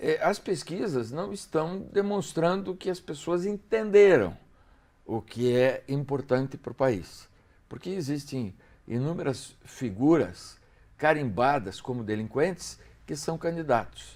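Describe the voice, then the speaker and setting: A man's fairly high voice at a very slow pace, with very wide pitch swings. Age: 60s. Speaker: gubernatorial candidate. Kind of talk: political interview.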